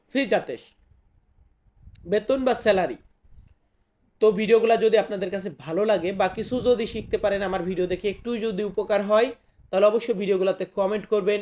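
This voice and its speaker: A man from Bangladesh with a notably high voice gives a casual vocabulary lesson. He repeats each new word slowly and talks straight to his viewers. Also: darkish tone. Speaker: language teacher.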